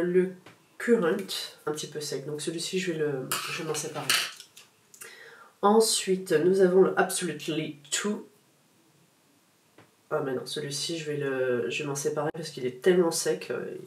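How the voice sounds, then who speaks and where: A woman vlogger chatting casually as she sorts through her makeup, relaxed and slangy with lots of fillers. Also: deep voice, distant mic. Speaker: beauty vlogger. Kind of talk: casual chat while sorting makeup. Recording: echoey room, voice off-mic, faint background noise.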